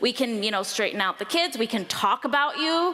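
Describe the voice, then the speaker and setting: Someone speaks in a raised, projected voice at a moderate pace, with very wide pitch swings. Noticeable background noise is present. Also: woman. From Pennsylvania, Old Order Mennonite community. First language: Pennsylvania Dutch. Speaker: homesteading speaker. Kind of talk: conference talk.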